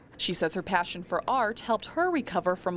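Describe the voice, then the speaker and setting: In a very clean recording with a silent background, a woman talks at medium pitch and a fairly quick pace in an unremarkable speaking voice. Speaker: TV news reporter. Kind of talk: local TV news report.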